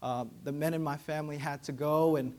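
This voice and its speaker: A man's voice: a little high, fairly even intonation, fairly quick, a little mellow. A conversational male preacher, Vietnamese-born. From Vietnamese American, raised in Georgia. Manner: conversational, frequent "right?" tag questions. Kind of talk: sermon.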